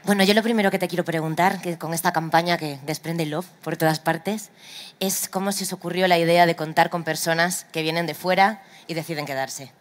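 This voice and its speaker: A woman's voice: on the low side, steady tone, brisk. A woman hosting a live interview on a trade fair stage, chatty and a little teasing. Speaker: host. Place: stage in a large indoor trade fair hall.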